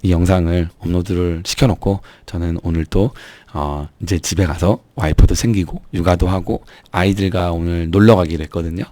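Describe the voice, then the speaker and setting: A man's voice: sits low, steady tone, moderate pace, hardly any pauses, mellow, no room sound. A man with a strained, sore throat speaking earnestly and emphatically to viewers in a motivational vlog, urging them on as an online business YouTuber.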